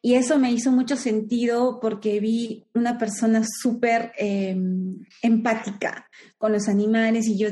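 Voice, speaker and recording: Peruvian woman in her forties, mellow. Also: on the high side, level tone, a little slow. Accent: Peruvian Spanish. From Peru. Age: 40s. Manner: reflective, many restarts and fillers, laughs often. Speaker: guest. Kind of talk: conversational interview.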